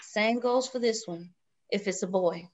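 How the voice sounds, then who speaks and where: A woman's voice: medium pitch, a little slow, lo-fi sound, lightly acted. A woman reading the part of a worried, stubborn pregnant wife in her thirties, scolding in rural Southern speech in a drama table read. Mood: worried, firm.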